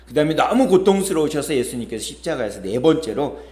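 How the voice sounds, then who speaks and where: A man's voice: a little high, very animated, fast talker, warm tone, reverberant. A male pastor preaching a sermon, telling stories with quoted voices and rising, falling emphasis. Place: church sanctuary.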